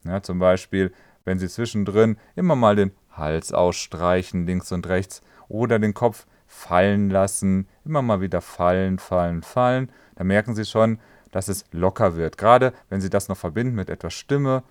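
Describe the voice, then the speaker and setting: A man with a fairly low voice teaches like a voice coach, calm and instructive, talking straight to the listener. The sound is dry and close, with no room around it. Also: normal speed, hardly any pauses, smooth, dry recording. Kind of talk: educational explainer on voice health.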